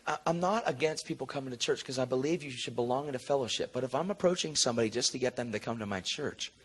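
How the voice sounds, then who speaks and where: A man preaching a sermon through a story, acting out the people he quotes with sudden loud high jumps and dropping to a soft, earnest low tone. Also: fast, breathy edge. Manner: animated, acts out quotes with big jumps in pitch and volume; drops to a low, soft, earnest tone for tender moments.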